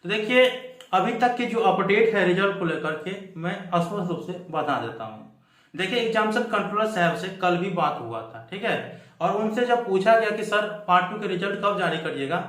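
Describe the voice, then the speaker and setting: A man's voice: high-pitched, lively intonation, moderate pace, a bit bright. A man giving an emphatic explanatory update to viewers, repeating his points, as host of a student news channel. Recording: echoey room.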